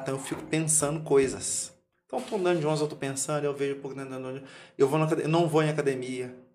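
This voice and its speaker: Music plays behind a man talking at a very fast pace with audible room echo. His voice is fairly high with fairly even intonation. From Minas Gerais, Brazil (Passos). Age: 30s. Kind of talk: casual conversation.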